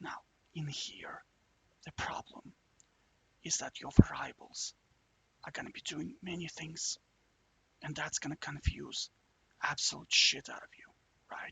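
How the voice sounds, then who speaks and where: Someone whispers quietly. Long, frequent pauses break up the speech. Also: fairly slow pace. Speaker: programming tutor. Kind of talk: tutorial. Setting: at home at night. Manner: quiet, whispered.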